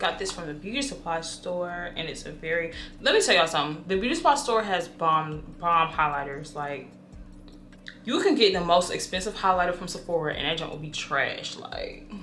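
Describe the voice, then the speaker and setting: A woman's fairly low voice at a fairly quick pace, with big swings in loudness and music in the background. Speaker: beauty vlogger. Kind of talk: casual makeup tutorial chat. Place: home room.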